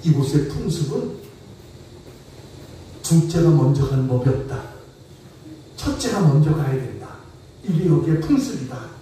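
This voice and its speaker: A man, a pastor, voicing a scheming old father who gives low, stern commands. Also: big pitch swings, a little slow, pauses often, warm tone, a little hiss or hum. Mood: commanding. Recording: echoey church hall from far off.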